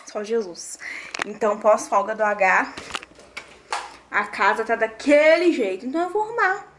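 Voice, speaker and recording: A Brazilian vlogger in her twenties with a Minas Gerais accent chats casually with viewers while cleaning her apartment's kitchen and terrace indoors. Her voice is fairly high and a bit bright, at a moderate pace, with slight background noise.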